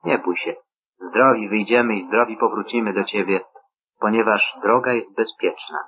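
A calm, reassuring angel posing as a young traveler, read by a man. His voice is low and husky, the delivery solemn and measured. It comes through thin and tinny, like a phone line. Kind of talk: scripture reading. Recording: tinny phone-like radio sound.

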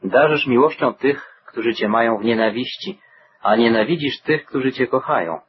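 A man's voice: mid-range voice, moderate pace, dull audio, slight background noise, lightly acted. A man reading the lines of a blunt, stern male army commander in a Bible reading. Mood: reproachful.

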